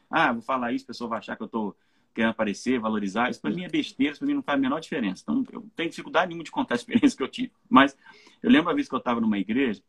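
A man's voice: medium pitch, breathy edge. A Brazilian man, a pastor, speaking earnestly in a live church talk and often checking in with his listeners. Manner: earnest, keeps checking in with "né?" and "entende?".

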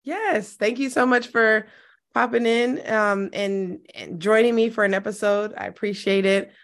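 A woman hosting a casual podcast interview, hoarse and scratchy after losing her voice, laughing often and poking fun at herself. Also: medium pitch, unhurried. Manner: laughs often, self-deprecating. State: hoarse, lost voice. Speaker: podcast host.

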